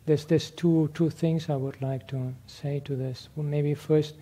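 Brief: husky, higher-pitched male teacher, earnest lecture Q&A, laughs easily. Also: steady tone, measured pace, dark tone. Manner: earnest and explanatory, laughs often. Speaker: meditation teacher answering questions. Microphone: handheld microphone passed around the room.

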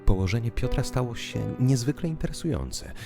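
A man narrating a literary audio drama in a theatrical, expressive way. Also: mid-range voice, a little fast. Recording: music bed under the voice. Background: piano and musical accompaniment.

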